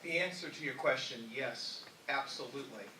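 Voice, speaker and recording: A man, a city councilman running for office, answering in a political debate in a halting, measured way. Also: medium pitch, pushed and bright, a little hiss or hum. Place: debate hall. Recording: echoey hall from far off.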